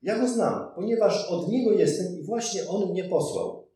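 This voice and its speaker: A man reading as a solemn male teacher who addresses a crowd with emphatic, rising declamation. His mellow voice swings widely in pitch. It sounds far from the mic in a very echoey space. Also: sing-song, normal speed. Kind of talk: read-aloud scripture quotation.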